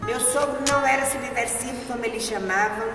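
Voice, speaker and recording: A woman's voice: a little high, brisk. Distant, echoey Brazilian woman testifying. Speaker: victim's relative giving testimony. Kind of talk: personal testimony. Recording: echoey, distant mic, music behind.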